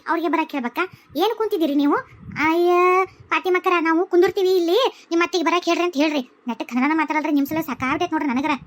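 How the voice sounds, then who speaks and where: Shrill fast North Karnataka woman. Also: fairly bright tone. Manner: bickering, scolding village banter. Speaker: cartoon storyteller voicing all characters. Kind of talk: dialect comedy cartoon voicing.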